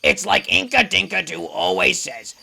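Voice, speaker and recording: An actor playing a crotchety old male ape in an audio drama, a stern mentor who lectures and dismisses, with a gravelly voice. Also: high-pitched, expressive, moderate pace, pushed and bright, exaggerated voice. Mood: stern, scolding. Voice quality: creaky, gravelly.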